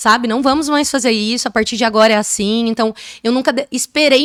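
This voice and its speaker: A woman talks at a fairly quick pace in a high pitch with ordinary pitch variation. The recording is very clean, with a silent background and a dry, close sound with no echo. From Brazil, Vale do Paraíba, interior of São Paulo. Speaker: recreation professional and business owner. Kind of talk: podcast interview.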